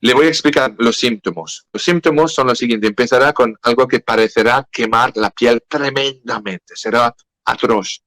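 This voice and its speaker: A male podcast guest with a French accent speaks Spanish as a second language, halting and searching for words. His mid-range voice is a bit bright, and the recording is dry.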